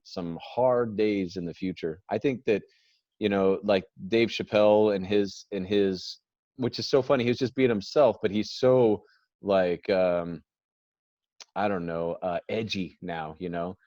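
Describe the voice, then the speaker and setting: A man's voice: on the low side, a little mellow, no room sound. A man hosting a casual podcast chat who tells long rambling stories, restarts often and laughs easily. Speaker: podcast host. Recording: dull lo-fi dry sound.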